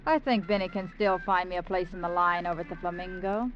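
A woman's voice: on the low side, a little fast, natural voice. An actress playing a fed-up young showgirl with a cutting, sarcastic manner in a 1950s radio drama. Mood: scornful. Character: fed-up young woman showgirl, sharp-tongued. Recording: dull old radio recording.

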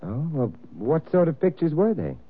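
A wry, wisecracking detective. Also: male voice, a little high, very animated, moderate pace, breathy edge. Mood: curious. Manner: dry, wry quips. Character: suave wisecracking male adventurer-detective. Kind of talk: 1940s radio acting. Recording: tinny old radio broadcast.

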